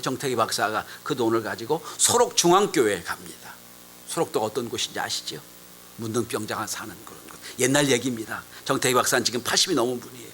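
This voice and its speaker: A man delivers a sermon as a pastor, in a bright, forceful voice. He tells a story with dramatic swings, rising suddenly loud for emphasis and dropping to hushed asides. A faint hiss and hum sit beneath the recording. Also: mid-range voice, animated, fast talker, rough recording.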